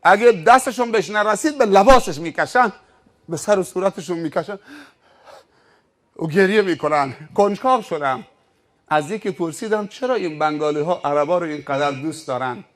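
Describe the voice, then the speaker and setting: A man's voice: high voice, lively intonation, fairly bright tone. A man preaching a sermon, telling stories emphatically and acting out the scenes. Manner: emphatic, vivid, acts out scenes. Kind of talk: sermon with dramatized storytelling.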